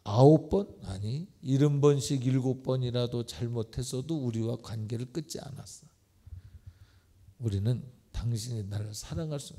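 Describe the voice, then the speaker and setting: A middle-aged male pastor preaching in church, firing rhetorical questions and swinging between loud emphasis and hushed asides. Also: medium pitch, creaky. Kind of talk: sermon. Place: church sanctuary.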